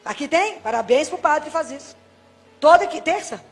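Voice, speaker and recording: A woman's voice: high voice, moderate pace, faint music behind. A middle-aged Brazilian woman preaching a Catholic sermon to a congregation, telling stories and putting questions to her listeners. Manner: lively, storytelling, asks the audience questions.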